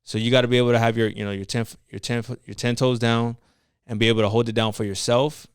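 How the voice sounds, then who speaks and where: His delivery is flat and quick, the tone clean and the pitch medium, recorded in studio quality without echo. He's a young adult Latino American English speaker, once a nurse and now an entrepreneur, chatting casually on a podcast. Earnest and motivational, he uses slang and frequent restarts.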